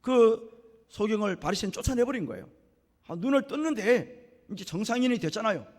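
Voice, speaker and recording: Animated high-pitched male preacher. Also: normal speed. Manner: animated preaching, acting out biblical dialogue with rising emphasis. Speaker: pastor. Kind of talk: sermon. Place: church sanctuary. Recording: long church hall reverb.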